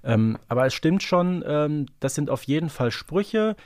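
A man's voice: on the high side, lively intonation, a little slow, darkish tone, dry recording, studio quality. A man co-hosting a podcast, explaining things in casual analytical chat with emphatic turns and tag questions. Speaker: podcast co-host.

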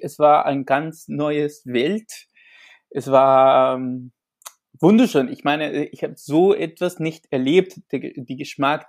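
A man from Chile talks as a guest expert, his pitch a little raised. He hesitates often and restarts his sentences, yet keeps an enthusiastic tone. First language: Spanish. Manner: hesitant, many fillers and restarts, warm and enthusiastic. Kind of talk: podcast interview.

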